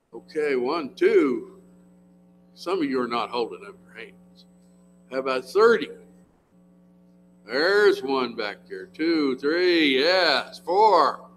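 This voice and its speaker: A man's voice: a little high, fairly bright tone, a little hiss or hum. An American man in his seventies preaching a sermon to a congregation in a folksy, plain-spoken, emphatic way, often putting questions to his listeners. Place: church, in front of a congregation.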